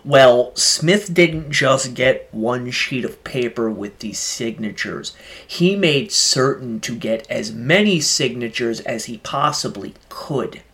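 A man narrates a podcast from a script at a slow, deliberate pace. His voice has an average male pitch. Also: fairly bright tone. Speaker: podcast host.

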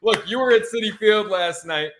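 A man's voice: high-pitched, moderate pace, background noise. A man co-hosting a sports podcast in a casual, brash, slangy style with some swearing.

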